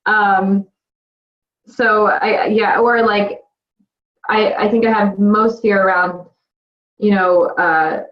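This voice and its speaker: A woman coaching client speaking haltingly with many restarts and nervous laughs. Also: mid-range voice, fairly even intonation. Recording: dull echoey call audio.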